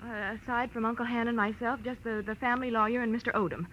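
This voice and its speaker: A woman's voice: fairly high pitch, steady tone, fast, close to an everyday voice. An actress with an American accent playing an anxious, evasive young female client, earnest and defensive, in 1940s radio drama style. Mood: uneasy, insistent. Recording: dull, faintly noisy old radio recording.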